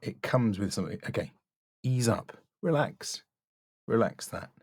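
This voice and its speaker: A man's voice: fairly low pitch, expressive, measured pace, slightly rough. A man giving a spoken critique as a voice-over coach, blunt and instructive, with short emphatic remarks. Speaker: voice-over coach reviewing demo reels.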